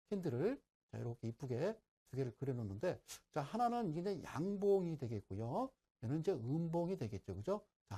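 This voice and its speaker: A man's voice: fairly high pitch, dark tone. A middle-aged man giving a broadcast stock-investing lecture, who keeps asking listeners "right?" and teases them.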